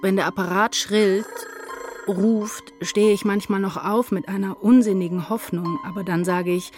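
An actress playing an anguished, brooding woman writer in a literary radio drama, speaking in an introspective, measured way. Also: medium pitch, fairly even intonation, over music, lightly acted. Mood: melancholy, restless.

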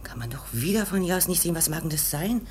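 Radio play: woman as opinionated village busybody, rapid colloquial chatter, sharp-tongued, faint noise behind. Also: lowish voice, expressive, natural voice. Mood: nosy. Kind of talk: German radio drama acting.

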